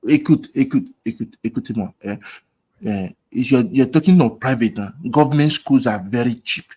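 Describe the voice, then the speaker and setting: Husky Nigerian man, insistent. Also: mid-range voice, moderate pace, warm tone. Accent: Nigerian English. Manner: insistent, repeats phrases. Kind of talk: casual group chat.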